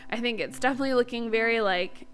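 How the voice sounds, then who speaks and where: A woman's voice: a little high, fast talker, soft background music. A woman giving casual let's-play commentary as the host of a gaming series, chatty, bubbly and enthusiastic.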